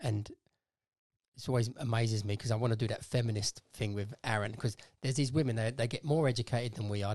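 Over a quiet background, a man talks very fast at medium pitch. His voice is somewhat breathy, and his intonation is fairly even. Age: 50s. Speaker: podcast host, knowledge school founder. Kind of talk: casual chat.

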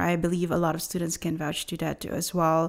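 At a fairly quick pace, a woman talks with a fairly low pitch in an ordinary speaking voice, recorded very cleanly against a silent background. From immigrant to Canada. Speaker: podcast host. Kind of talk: interview.

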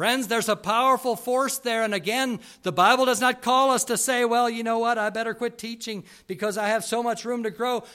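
Projecting his voice, a man speaks at an extremely high pitch and fairly quick pace with a bright, sharp tone and fairly even intonation, in a very clean recording with a silent background. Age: 40s. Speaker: visiting preacher. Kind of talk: sermon.

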